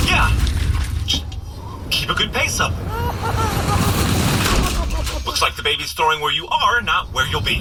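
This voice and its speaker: A man's voice: high voice, very noisy. A man playing a flustered, wisecracking superhero who rambles sheepishly as he coaches a runner in a comedic audio drama. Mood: encouraging. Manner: rambling, sheepish, nervously joking asides. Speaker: character guide in an audio running adventure.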